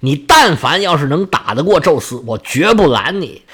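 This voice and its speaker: A man's voice: fairly high pitch, big pitch swings, moderate pace, a bit bright, husky, voice pushed down, full character voice. A man voicing a stern female goddess who scolds a hot-headed god in an exasperated way. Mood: scolding.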